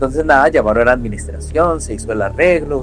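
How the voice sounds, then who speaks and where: A man speaks over noticeable background noise. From Colombia, Pereira. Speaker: psychologist and university lecturer sharing paranormal experiences. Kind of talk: personal testimony on a podcast.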